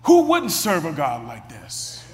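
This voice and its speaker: A man preaching a sermon, who stumbles over and repeats words and builds up to shouted exclamations. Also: on the high side, wildly swooping pitch, unhurried, big-room sound.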